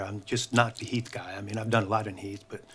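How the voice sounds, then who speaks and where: Very fast speech from a man, medium in pitch, with fairly even intonation. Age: 60s. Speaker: political candidate. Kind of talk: candidate interview. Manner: halting, many fillers.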